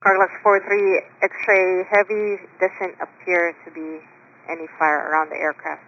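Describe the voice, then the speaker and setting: A man's voice: high voice, fairly even intonation, a little slow, dry recording. A man working as a tower controller, making clipped transmissions to aircraft over the radio. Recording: muffled radio with faint noise.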